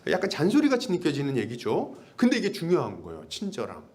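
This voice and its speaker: A male pastor delivers a sermon in a chatty tone, often asking the congregation rhetorical questions. His pitch sits a little high for a man and moves up and down a lot, and he slips into acted-out snippets of everyday talk. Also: wildly swooping pitch, fast talker, a little mellow. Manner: conversational, acts out little dialogues.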